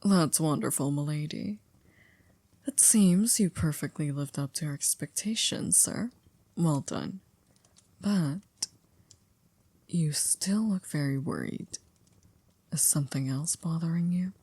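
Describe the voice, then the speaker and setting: A woman playing a composed, formal household servant in an ASMR roleplay, polite and measured with gently wry teasing. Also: low voice, husky, no echo, heavily acted. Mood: polite, soothing.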